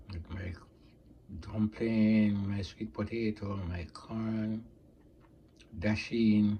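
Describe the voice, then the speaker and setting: The man's voice is somewhat breathy. His pace is very slow. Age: 70s. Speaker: home cook, cooking channel host. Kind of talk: cooking video tasting and wrap-up. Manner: casual, enthusiastic.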